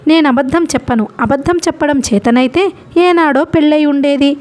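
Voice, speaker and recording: A woman's voice: normal speed, darkish tone, natural voice. A woman voicing a touchy old spinster, a retired schoolteacher, who scolds fussily. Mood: scolding. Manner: scolding, shrill and fussy.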